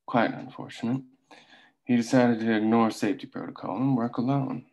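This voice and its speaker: A man's voice: mid-range voice, steady tone, normal speed, a little mellow, lo-fi sound, lightly acted. A man voicing a cool, formal male company man at a table read. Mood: cold.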